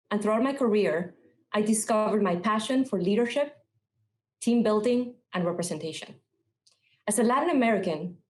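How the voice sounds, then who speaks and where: A woman from Peru giving a rehearsed conference talk in a measured, earnest storytelling manner. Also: medium pitch, darkish tone. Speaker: conference speaker. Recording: roomy echo.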